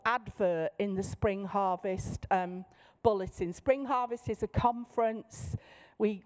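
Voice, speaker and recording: A woman's voice: mid-range voice, darkish tone. A middle-aged woman with a Manchester accent gives an informal, down-to-earth Christian teaching talk to a group, checking in with her listeners. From Manchester, England. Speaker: Christian workshop leader.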